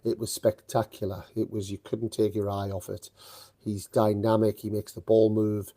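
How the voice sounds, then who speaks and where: A man with a light northeastern English accent talks tennis on a live podcast, eager and chatty, with many "you know"s and "uh"s. His voice sits fairly low and stays flat in pitch, with a mellow, soft tone. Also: normal speed. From northeast England. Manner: enthusiastic storytelling with frequent fillers. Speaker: tennis podcast host and commentator.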